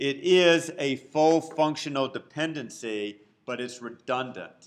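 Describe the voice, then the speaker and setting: A man with an ordinary speaking voice, a fairly slow pace and lively intonation. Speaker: university lecturer. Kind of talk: lecture.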